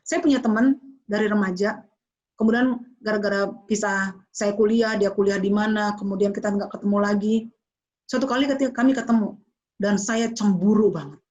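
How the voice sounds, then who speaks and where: A woman giving a motivational talk to students, expressive and slipping into English phrases. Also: medium pitch, a little fast, highs cut off. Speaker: motivational speaker.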